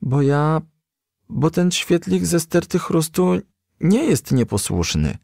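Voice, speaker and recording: A man voicing a shy young female firefly who speaks in a halting, bashful way in a storybook. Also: fairly high pitch, sing-song, creaky, a little mellow, no echo, clean studio sound, pitched above the performer's own voice, heavily acted. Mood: hesitant.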